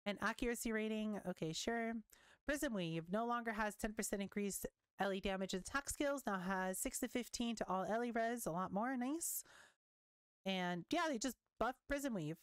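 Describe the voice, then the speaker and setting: A young woman giving casual commentary while reading patch notes, chatty and quick to react, swearing now and then, her voice wearing thin. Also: medium pitch, smooth, no room sound. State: losing her voice. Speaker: gaming content creator.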